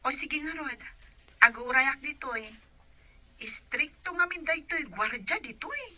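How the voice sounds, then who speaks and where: A woman's voice: high voice, expressive, a little slow, pushed and bright, exaggerated voice. A woman playing the caregiver's eager female friend in an Ilocano audio drama. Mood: chatty.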